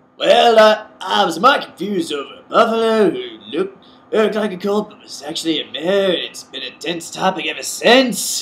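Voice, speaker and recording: A put-on character voice moves at a moderate pace with hardly any pauses. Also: man, high pitch for a man. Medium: read story. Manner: easygoing, folksy.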